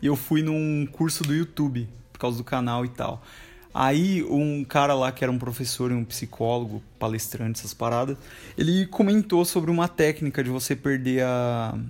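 A man talks at a moderate pace in an unremarkable speaking voice. His medium pitch has ordinary pitch variation. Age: 20s. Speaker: podcast co-host and social media creator. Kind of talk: casual chat. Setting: home, on a sofa.

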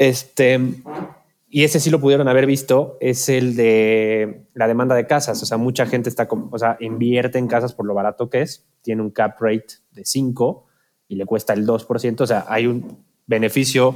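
With a Mexico City accent, a man of medium pitch speaks at a moderate pace and with fairly even intonation. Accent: Mexico City (chilango). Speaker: podcast co-host. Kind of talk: casual chat.

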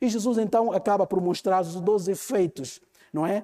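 The recording is dry and close, without any echo. A man's dark, mellow tone comes through. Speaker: preacher. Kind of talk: sermon. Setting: church.

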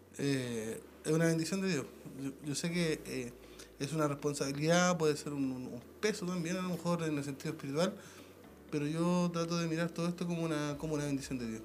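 Fairly quick and fairly high-pitched, this man has an unremarkable speaking voice with ordinary pitch variation. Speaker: church youth leader. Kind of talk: testimony.

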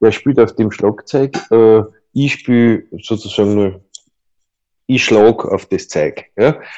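A man speaks at a very slow pace with fairly even intonation. He leaves long, frequent pauses. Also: medium pitch for a man. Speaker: actor. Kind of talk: casual interview. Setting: video call.

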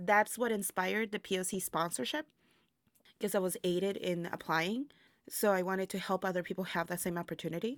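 Speaking with a Spanish accent, a woman talks at a fairly quick pace with medium pitch and ordinary pitch variation. The recording is very clean with a silent background, and the sound is dry and close with no echo. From Mexico, Ciudad Juarez. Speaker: burlesque performer. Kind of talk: interview.

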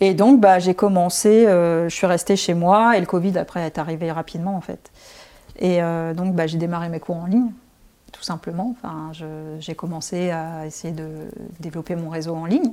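A woman's dark, mellow voice with fairly even intonation and big swings in loudness. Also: fairly low pitch for a woman, moderate pace. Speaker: teacher and traveller. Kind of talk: interview, personal story. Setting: in person, small rented flat.

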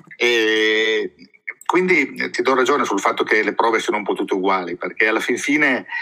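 Noticeable background noise accompanies a man whose loudness stays very even. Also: moderate pace. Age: 60s. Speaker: motorcycle magazine editor. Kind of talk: casual chat.

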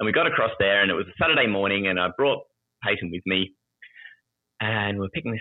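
A man with a fairly low pitch talks at a fairly quick pace, his pitch varying in an ordinary way. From Australia, Canberra. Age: 30s. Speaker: podcast host guest. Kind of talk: casual interview chat. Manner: animated, chatty.

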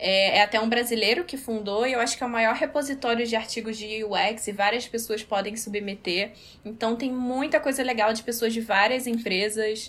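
A woman with an ordinary speaking voice, fairly even intonation, a moderate pace and hardly any pauses. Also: fairly high pitch for a woman. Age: 20s. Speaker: UX designer and computer science student. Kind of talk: casual interview.

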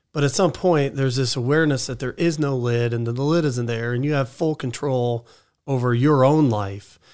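Recorded very cleanly against a silent background, a man uses an ordinary speaking voice at medium pitch with ordinary pitch variation. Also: moderate pace. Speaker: podcast host. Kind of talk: casual interview chat.

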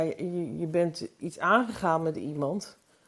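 A woman speaks in an ordinary speaking voice at a fairly low pitch. Her pitch varies in an ordinary way. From Netherlands. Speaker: audience member. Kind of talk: casual chat.

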